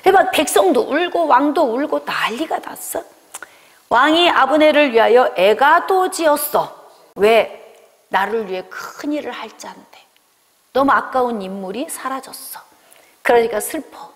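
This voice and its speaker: A woman's voice: high voice, normal speed. Woman pastor teaching in a reverberant hall. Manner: animated, acts out God's scolding voice in quotes. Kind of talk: Bible study lecture.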